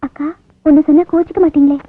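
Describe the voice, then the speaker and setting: An actress playing a caring young wife who speaks softly and earnestly. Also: female voice, high voice, steady tone, quick pace, dry recording, phone-quality sound, close to an everyday voice. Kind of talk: 1990s Tamil film acting.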